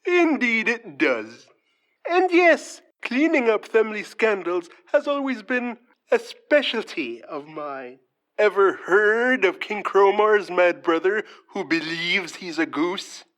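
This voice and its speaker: A woman's voice: mid-range voice, very animated, takes it slowly, a bit bright. A woman playing a polished, self-satisfied fixer of royal scandals in an audio fantasy comedy. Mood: smug. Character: smooth, scheming fixer who cleans up royal scandals. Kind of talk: audio fiction comedy acting.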